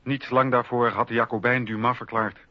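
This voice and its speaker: A man narrating a scripted radio documentary in a measured, formal storytelling manner on a lo-fi recording. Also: mid-range voice, little pitch movement, no room sound.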